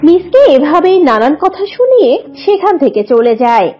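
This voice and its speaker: A woman's voice: high voice, very animated, normal speed. A woman narrating a scripted cartoon story. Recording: dull lo-fi audio, music behind.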